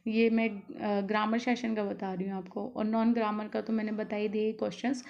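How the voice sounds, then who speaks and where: A woman's voice: mid-range voice, little pitch movement, moderate pace, gravelly, lo-fi sound. A woman tutor giving a casual exam-prep lesson, explaining in a chatty way with many fillers. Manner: explanatory, chatty, with frequent fillers and "theek hai". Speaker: online tutor.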